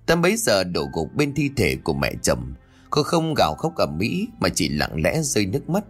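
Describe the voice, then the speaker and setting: A man narrating a dramatic story in an expressive, husky voice. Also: low voice, normal speed. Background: faint music.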